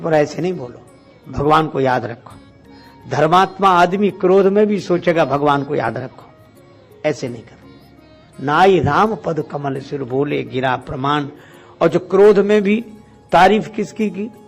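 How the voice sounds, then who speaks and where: A man with a high voice delivers a Hindu devotional sermon in a storyteller's style. He asks rhetorical questions, dramatizes dialogue and recites lines of scripture. Music plays faintly behind him. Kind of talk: devotional discourse retelling Ramayana episodes.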